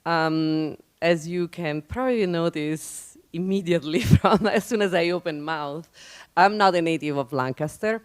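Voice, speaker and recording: A woman's voice: lowish voice, measured pace, smooth, no room sound, studio quality. A middle-aged woman from Italy with an Italian accent, giving a personal, informal public talk as a guest speaker in reflective, hesitant phrasing. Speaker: guest speaker, nonprofit office director.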